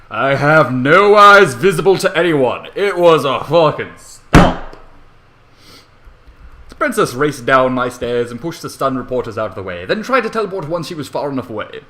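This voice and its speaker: A man's voice: medium pitch, pushed and bright. A man narrating a comedic story theatrically, with irreverent, sweary asides. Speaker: amateur fan fiction reader.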